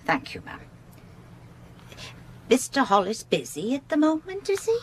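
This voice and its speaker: A woman's voice: high voice, big pitch swings, measured pace, a little hiss or hum. Welsh housekeeper lady, chatty and polite, lilting up and down, old radio drama. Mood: deferential, chatty. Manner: homely, deferential, talkative. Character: deferential, chatty Welsh housekeeper, married woman. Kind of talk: 1980s British radio drama acting.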